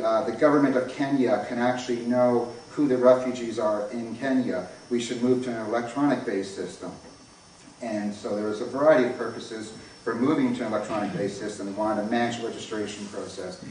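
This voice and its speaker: A distant, very echoey recording with faint noise carries a North American man speaking as an academic presenter. His pitch is average, and he explains in an informal lecture style. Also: a little mellow. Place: echoey indoor lecture room.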